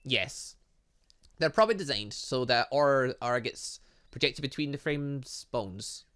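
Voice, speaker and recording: A man's voice: mid-range voice, a little slow, clear, resonant tone. A man reading visual novel dialogue aloud as a gaming host, playfully breaking in with his own asides and reactions. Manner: animated, interjecting, playful asides.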